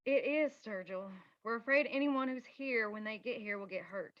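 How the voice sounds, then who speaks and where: A woman's voice: a little high, moderate pace, highs cut off, natural voice. A woman reading the part of an urgent, protective organizer in a period drama, plain-spoken and directive. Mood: urgent warning. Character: urgent, protective female organizer warning mining-town families. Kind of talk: screenplay table read.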